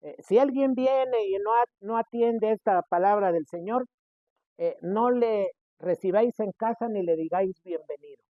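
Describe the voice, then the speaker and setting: A Mexican man preaching a sermon as pastor, acting out the people he quotes with sudden shifts in loudness. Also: high-pitched, moderate pace, no echo. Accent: Mexican Spanish. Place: church. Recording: dry, tinny phone-like sound.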